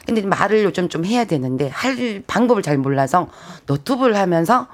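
A woman's voice: mid-range voice, very animated, a little fast. A woman guest singer with a Gyeongsang accent, chatting modestly and laughing at herself. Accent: Gyeongsang Korean. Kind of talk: casual chat.

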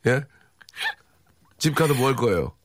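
A man in his forties hosts a live radio show, reading listener messages and chatting casually. His humor is dry and teasing, with a deadpan delivery. The studio sound is close and dry, and his voice sits at an ordinary male pitch. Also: a little slow, no room sound. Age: 40s. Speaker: radio host. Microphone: studio microphone.

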